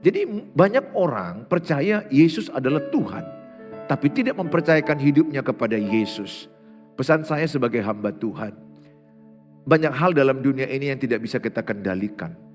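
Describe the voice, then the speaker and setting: A man from Indonesia preaching a morning prayer sermon as pastor, earnest, repeating key phrases and slowing down on prayers. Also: medium pitch, very animated. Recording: long hall reverb with faint music. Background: soft instrumental music.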